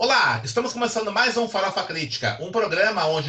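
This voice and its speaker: A man's raised, projected voice. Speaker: professor and talk show host. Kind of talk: show intro.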